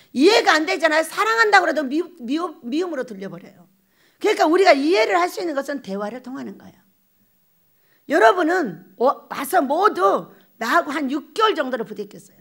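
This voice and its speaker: Older woman, pastor, high voice, swooping lively pitch, storytelling sermon. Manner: animated, acts out quoted exchanges, laughs often. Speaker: pastor, head of a prayer retreat.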